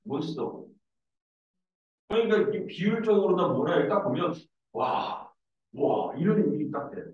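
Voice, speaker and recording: A male math teacher lectures in a slightly raised voice, breaking into animated, joking stories. He sounds set back from a dull-toned mic. The room around him is echoey. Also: high-pitched, moderate pace, recorded from a distance. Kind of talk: lecture mixed with casual anecdotes.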